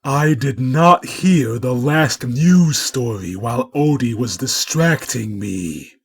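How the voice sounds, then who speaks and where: A man's voice: mid-range voice, takes it slowly, gravelly, slightly rough, voice pushed up, exaggerated voice. A man voicing an imperious, wrathful cartoon cat in a commanding, contemptuous and pompous manner for a story. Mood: menacing.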